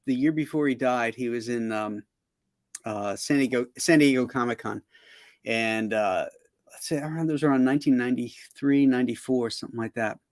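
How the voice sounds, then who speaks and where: A man's voice: mid-range voice, normal speed, no room sound, studio quality. A middle-aged man hosting a casual interview over a video call, telling anecdotes with frequent laughs. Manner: chatty, laughs often while telling anecdotes. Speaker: show host.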